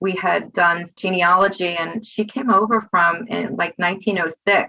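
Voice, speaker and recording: In an American accent, a woman talks at a moderate pace with medium pitch and fairly even intonation. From New York City, Brooklyn. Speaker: author and cancer survivor. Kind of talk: podcast interview.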